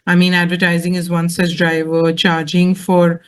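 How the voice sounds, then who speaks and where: A company executive with a measured, explanatory way of talking, answering questions on an earnings call. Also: mid-range voice, completely flat delivery, clear, resonant tone.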